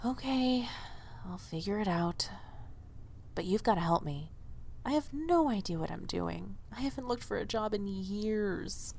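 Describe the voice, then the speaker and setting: A woman's voice: mid-range voice, animated, measured pace, vocal fry, darkish tone, slight background noise. A woman playing an earnest, loyal young diner waitress in audio drama dialogue, speaking expressively and a little hesitantly. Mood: unsure.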